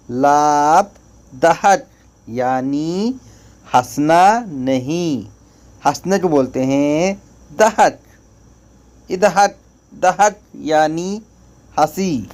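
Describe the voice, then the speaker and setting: A man teaching spoken phrases, saying each one slowly and repeating it before explaining its meaning. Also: a little high, darkish tone. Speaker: language teacher. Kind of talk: slow spoken language lesson.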